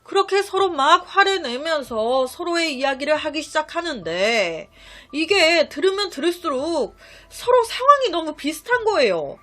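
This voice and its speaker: High, lively woman telling a true-crime story. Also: normal speed. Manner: chatty, conversational asides to listeners. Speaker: storytelling YouTuber. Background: faint background music.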